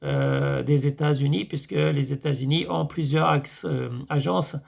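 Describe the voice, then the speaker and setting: A hoarse man with a French accent, from France, rambling casually to camera about a film, full of fillers and restarts. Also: a little high, steady tone, a little slow, a little mellow. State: hoarse, voice tiring. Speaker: YouTube vlogger reviewing films.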